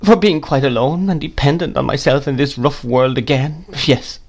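A man's voice: mid-range voice, normal speed, voice pushed up, close to an everyday voice. A man voicing a meek young widowed mother who answers faltering and apologetic. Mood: timid.

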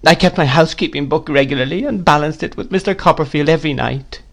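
A man's voice: fairly high pitch, quick pace, creaky, a bit bright, voice pushed up. A man voicing a meek young widowed mother who answers faltering and apologetic. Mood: timid.

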